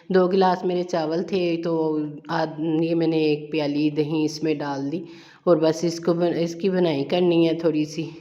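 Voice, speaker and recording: A woman's voice: sits low, muffled recording. A middle-aged woman, chatting casually to viewers while she cooks in her home kitchen. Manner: chatty, homely, repeats herself warmly. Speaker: vlogger. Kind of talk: casual chat while cooking.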